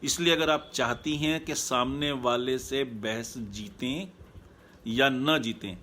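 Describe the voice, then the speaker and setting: Calm, measured male happiness coach. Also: mid-range voice, a little hiss or hum. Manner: calm, measured, repeats key points. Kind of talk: live online talk.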